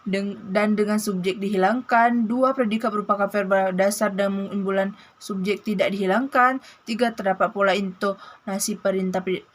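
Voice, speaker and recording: A young woman reading a grammar lesson aloud as a student presenter, restarting often on broken-off words and listing items one by one. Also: fairly high pitch.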